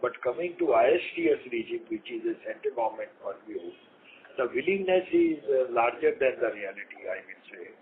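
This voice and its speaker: A male company executive with an Indian accent speaks over a thin phone connection with faint noise. He sits in a middle register and gives formal, wordy answers that come out haltingly. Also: medium pitch, sing-song. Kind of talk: answering questions on an earnings call. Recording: noisy, narrow phone conference line.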